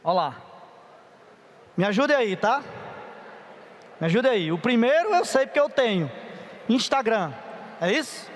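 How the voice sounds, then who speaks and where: A man's voice: very high-pitched, very animated, a little slow, pauses often, slight background noise. A middle-aged man, preaching a chatty, playful sermon at a youth conference and asking the audience for help. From Paraíba, Brazil. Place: large conference hall. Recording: reverberant hall.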